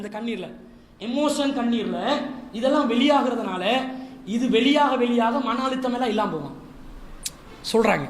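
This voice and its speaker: Male preacher with a very high voice, humorous storyteller. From Sri Lanka. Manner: humorous, lively storytelling with mimicry and asides. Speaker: Islamic preacher. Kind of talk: Ramadan lecture series talk.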